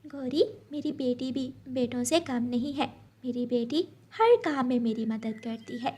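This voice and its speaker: A woman's voice: high voice, a little slow, mellow, breathy edge. A woman voicing Rano, a brave sparrow. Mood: proud. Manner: proud, determined.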